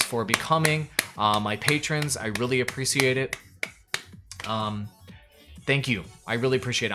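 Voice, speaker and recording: Chatty man live streaming to viewers. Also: mid-range voice. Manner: chatty, addresses viewers directly, promotes patrons. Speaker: live streamer coaching creators. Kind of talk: casual live stream talk. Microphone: desk mic, pulled in closer later.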